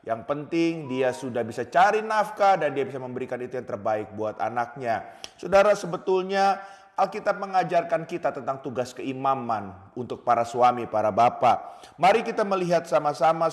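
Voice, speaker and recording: A man's voice: on the high side, long reverb tail. A man preaching a sermon as a pastor, often turning to his listeners and telling a story from his church work. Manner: addresses listeners as "saudara" often, tells stories with acted quotes.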